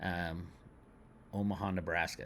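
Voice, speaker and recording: A man speaks at a fairly slow pace in a bright, sharp tone. Room echo is audible. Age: 60s. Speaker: financial commentator, precious metals YouTuber. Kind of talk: casual solo talk reading and answering viewer comments. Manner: animated.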